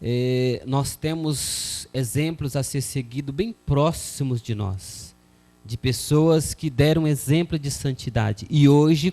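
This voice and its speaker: This Christian TV host has a fairly high, somewhat dark voice and speaks earnestly about forgiveness. On his religious talk show he reads viewer messages and scripture in a preacherly manner, peppering his speech with the filler "né?".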